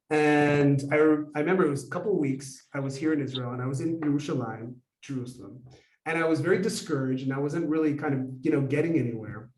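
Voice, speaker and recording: Animated man telling a story in an echoey hall. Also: a little high, recorded from a distance. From United States. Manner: animated, acts out dialogue, many fillers. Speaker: Kabbalah teacher. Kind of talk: storytelling talk to an audience. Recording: echoey room, voice from afar.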